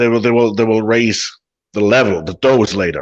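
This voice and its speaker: In a German accent, a man talks at a medium pitch. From Germany. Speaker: former extremist. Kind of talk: testimony.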